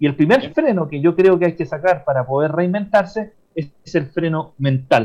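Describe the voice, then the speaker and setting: A man speaks at a moderate pace in a plain, everyday voice. His pitch sits fairly high. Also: ordinary pitch variation. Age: 50s. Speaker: entrepreneurship consultant. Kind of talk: interview. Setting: remote online interview.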